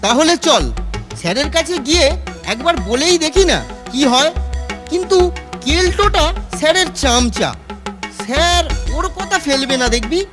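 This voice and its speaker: A man's voice: extremely high pitch, lively intonation, normal speed, long pauses, in a large hall, music in the background. A man voicing a sensible, wary schoolboy in a children's cartoon, with an earnest delivery. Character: sensible, wary schoolboy, friend of a smaller boy. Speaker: cartoon voice actor. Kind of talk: Bengali children's cartoon dialogue.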